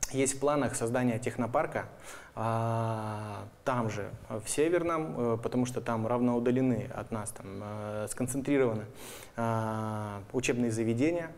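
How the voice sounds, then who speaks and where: A man in his thirties with a medium-pitched voice, speaking as an interview guest. He explains plans haltingly, pausing mid-phrase to find his words, in a studio setting. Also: a little mellow. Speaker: guest, animation studio representative. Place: indoor TV studio. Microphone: lapel mic.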